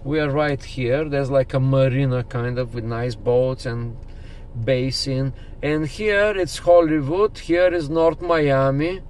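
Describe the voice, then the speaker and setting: A man's voice: mid-range voice, slow pace, a little mellow. A man in his forties talking casually to his viewers while driving, pointing out houses and the map. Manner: chatty, addresses viewers as "people". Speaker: vlogger. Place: inside a moving car. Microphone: camera on the dashboard. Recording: car with road noise.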